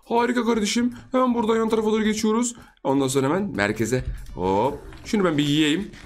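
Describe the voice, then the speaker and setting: High-voiced playful young man gaming. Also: fast talker, faint music behind. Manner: playful, chatty, repeats phrases and laughs often. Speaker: gaming YouTuber. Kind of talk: casual gameplay commentary.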